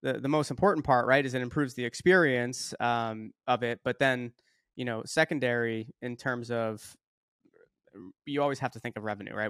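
A man's voice: medium pitch, a bit bright, smooth, no room sound, clean studio sound. A man hosting a podcast, asking questions in an upbeat way and often repeating words as he frames them. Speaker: podcast host. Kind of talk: conversational podcast interview.

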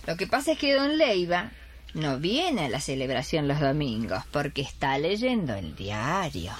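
Cheerful elderly pensioner, very varied intonation, contented, devout, radio drama. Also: female voice, deep voice, sing-song, measured pace, a little hiss or hum. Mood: teasing.

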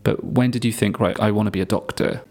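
A man hosting a podcast, reading a scripted introduction and asking measured, polite questions. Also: on the low side, steady tone, vocal fry, a little mellow, slight background noise. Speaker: podcast host.

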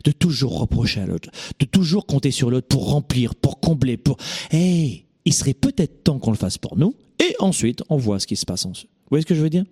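French-accented male host, mid-pitched, emphatic motivational coach, rhetorical questions, hesitant fillers. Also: sing-song, moderate pace, mellow, breathy edge, no echo, studio quality. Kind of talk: motivational talk.

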